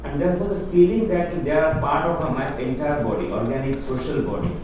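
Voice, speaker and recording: A man's voice: a little high, fairly quick. A man giving an earnest public talk, explaining ideas to an audience in plain, non-native phrasing. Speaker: guest speaker on Hindu philosophy. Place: lecture room with audience. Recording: echoey hall, speaker far from mic, noisy.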